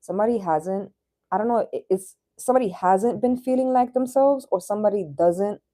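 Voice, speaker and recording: Female, 30s, livestream tarot reader. Warm, relaxed tone, mid pitch, informal slangy chat. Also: fairly quick. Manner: slangy, chatty, with swearing. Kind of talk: casual live chat and tarot reading.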